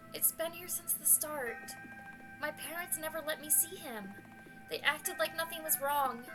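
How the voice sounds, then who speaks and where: A woman voicing a timid, secretive teenage girl in a game, pleading in a halting, fragile way. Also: high voice, low-quality recording. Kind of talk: amateur game dub read-through.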